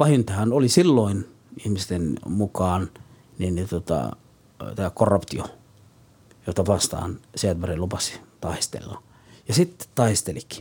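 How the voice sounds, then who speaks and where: With a Somali accent, a man speaks very slowly in a fairly low, somewhat breathy voice, using lively intonation and long, frequent pauses. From central Somalia. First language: Somali (speaking Finnish). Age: 50s. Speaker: Somali immigrant interviewee. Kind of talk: personal testimony interview. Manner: halting with many fillers.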